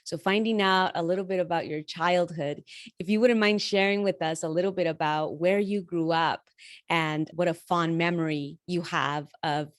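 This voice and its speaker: A woman's voice: on the low side, steady tone, moderate pace, no room sound, clean studio sound. A woman hosting a podcast interview, gracious and effusive, asking long winding questions. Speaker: podcast host.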